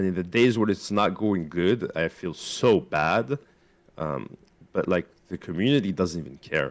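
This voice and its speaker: With a North African accent, a man speaks at a fairly slow pace in a very deep, low voice with lively intonation. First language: Berber. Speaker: streamer. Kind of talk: casual chat.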